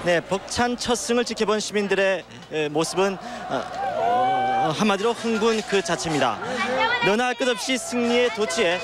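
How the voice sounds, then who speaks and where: The speaker uses lively intonation at a fairly slow pace. The sound is dry with no echo, but background noise is loud. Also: man. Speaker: field news reporter. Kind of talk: live TV news report. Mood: excited celebratory. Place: street. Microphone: handheld.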